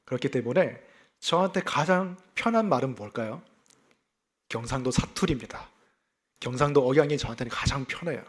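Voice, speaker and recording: A man's voice: medium pitch, moderate pace, breathy edge. A male pastor from South Gyeongsang delivering an expository sermon, explaining scripture and telling personal stories, often asking his listeners rhetorical questions. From South Gyeongsang, South Korea. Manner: lively expository preaching with personal anecdotes; asks the congregation rhetorical questions.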